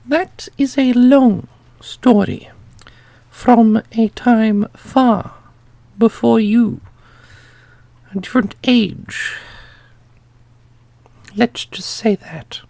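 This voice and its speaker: A man's voice: extremely high pitch, drawn-out words, creaky, long pauses, dark tone, dry recording, pitched above the performer's own voice, exaggerated voice. A man voicing an ancient, irreverent custodian who is blunt, teasing and evasive in a fantasy audio roleplay. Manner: blunt, playful, elusive.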